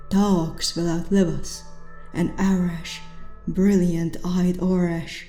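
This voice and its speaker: Slow, grave alien sister, voiced by a woman, Eastern European accent. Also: fairly low pitch, flat delivery, warm tone, reverberant, soft background music. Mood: mournful. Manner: grave, formal, deliberate. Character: brooding, brilliant, sorrowful young alien sister.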